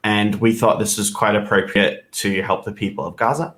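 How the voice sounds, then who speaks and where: A man's voice: fairly low pitch, flat delivery, normal speed, a bit bright. A man appearing as a guest, speaking plainly and earnestly in casual chat.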